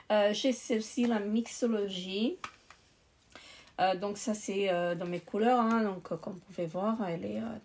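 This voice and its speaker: A woman's voice: medium pitch, very noisy. A woman beauty vlogger chatting casually while showing her makeup, with lots of hesitations and restarts. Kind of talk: casual chat.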